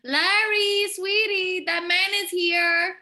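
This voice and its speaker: Woman playing bright, polite matronly Spanish lady. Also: extremely high pitch, fairly even intonation, slow pace, heavily acted. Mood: calling out. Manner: polite, brief, motherly. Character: polite, matronly Spanish housekeeper named Pilar. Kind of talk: virtual table read of a film script.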